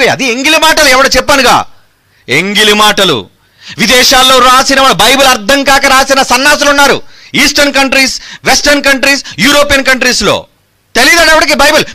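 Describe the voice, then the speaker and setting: Guy preaching hard, high voice that jumps all over, mocking and combative. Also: pushed and bright. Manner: combative, mocking, rhetorical questions, chuckles. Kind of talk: fiery sermon.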